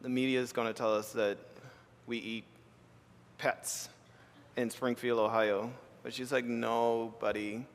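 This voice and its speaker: A man's voice: medium pitch, little pitch movement. Bahamian-raised artist guy talking onstage, lots of restarts, long hall reverb. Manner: thoughtful, halting with repeated restarts. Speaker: keynote speaker, artist. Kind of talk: live panel conversation. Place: lecture hall with audience.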